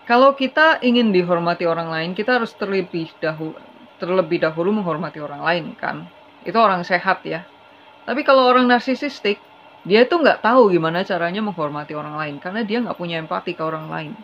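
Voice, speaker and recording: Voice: medium pitch, brisk, fairly bright tone. A tarot reader giving a casual, chatty reading straight to the viewer, earnest and advising. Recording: slightly dull with faint hiss.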